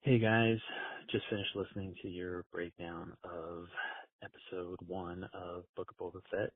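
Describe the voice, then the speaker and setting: Guy leaving a casual voicemail, really low and monotone, kinda husky, tinny phone sound. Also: unhurried, dry recording.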